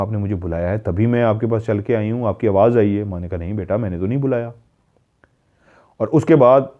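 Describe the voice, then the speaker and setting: A man narrating a paranormal story as a retelling, mimicking the voices of the people in it by raising his voice. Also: lowish voice. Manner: dramatic retelling, mimicking calls in a raised voice. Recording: dull lo-fi sound.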